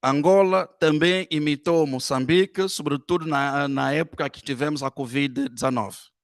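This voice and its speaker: A man giving an earnest, measured formal speech at a conference. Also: on the high side, dry recording, studio quality. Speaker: conference speaker.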